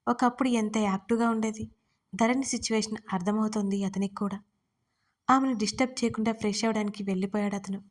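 A woman reading a romantic audio story in a steady storytelling way. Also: medium pitch, quick pace. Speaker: story narrator. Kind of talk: scripted audio story narration.

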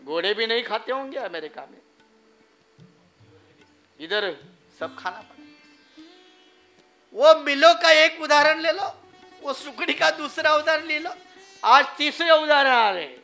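A man's voice: very high-pitched, unhurried, vocal fry, pauses often, bright, forceful tone, faint music behind. A man giving a public lecture, asking the crowd rhetorical questions and mocking the people he quotes. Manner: rhetorical, asks the audience questions. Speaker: public speaker.

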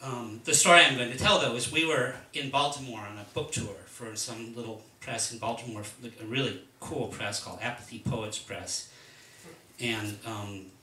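Man telling a lively story, bright roomy sound. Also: medium pitch, a little hiss or hum. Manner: lively anecdotal storytelling with laughter. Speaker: poet reading at a book release. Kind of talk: storytelling and poetry reading. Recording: roomy, distant mic at a live reading.

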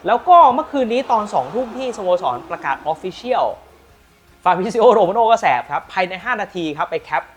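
A man hosting a football news channel, telling the latest transfer stories with lively emphasis and then pitching rare team shirts. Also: a little fast, husky, soft background music. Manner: lively, emphatic storytelling with frequent polite particles. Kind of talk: energetic football news commentary and product pitch.

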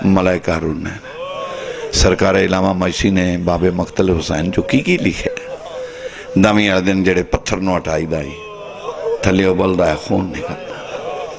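A man delivers a passionate mourning sermon from Pakistan, his low, gravelly voice surging and then falling away. A large gathering is heard around him under a tent. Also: big pitch swings, normal speed, long pauses, a crowd in the background. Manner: dramatic preaching with sudden rises and drops. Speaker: zakir preacher at a mourning gathering. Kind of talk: impassioned majlis sermon. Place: large tent with a seated crowd.

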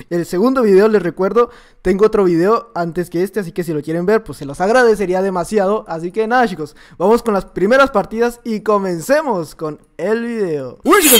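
A young man with a Mexican accent giving excitable, jokey gameplay commentary and talking to himself as he plays. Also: high-pitched. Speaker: gaming youtuber.

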